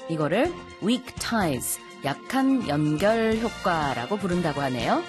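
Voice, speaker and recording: Woman radio host, very fast speech, bilingual studio chat, faint music behind. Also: fairly low pitch, very animated. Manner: reads in English, then retells it in rapid Korean. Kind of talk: bilingual radio show talk.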